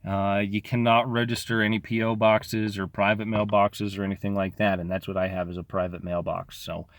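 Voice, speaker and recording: Here a fairly low-pitched man gives a flat, slightly quick delivery on a dry recording. He's a locksmith offering business tips in a casual to-camera chat, informal and rambling with plenty of fillers, sounding exhausted with his voice fading from sickness.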